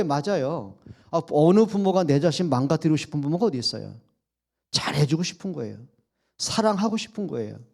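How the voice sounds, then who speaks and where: Korean pastor preaching, mellow voice. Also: male voice, fairly high pitch. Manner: asks the congregation questions and answers them himself; acts out quoted speech in his own voice. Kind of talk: sermon. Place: church sanctuary.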